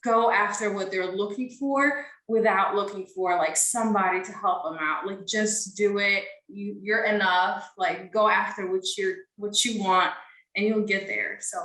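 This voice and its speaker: A woman's voice: medium pitch, steady tone, unhurried, pushed and bright, roomy sound, poor audio. A young woman from Ethiopia, a podcast guest, answering interview questions in an earnest, casual way with frequent fillers.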